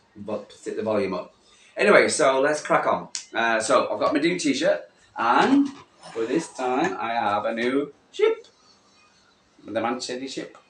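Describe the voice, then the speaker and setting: With a Mancunian accent, a man speaks at a fairly slow pace with long, frequent pauses over noticeable background noise. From Manchester, England. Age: 60s. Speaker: vlogger, football fan. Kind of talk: casual monologue to camera.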